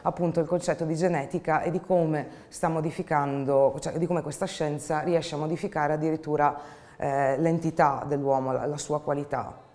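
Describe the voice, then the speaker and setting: Low-pitched woman, measured and reflective. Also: steady tone, a little mellow. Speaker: actress and theatre group co-founder. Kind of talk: interview monologue about own artistic work. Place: dark indoor studio, seated.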